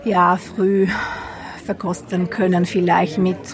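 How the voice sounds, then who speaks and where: A woman's voice: lowish voice, flat delivery, takes it slowly. A woman from Italy with an Italian accent, speaking German as a podcast guest in a casual chat, hesitant with many fillers. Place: outdoor wine tavern with other guests around. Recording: clear crowd noise behind. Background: crowd chatter.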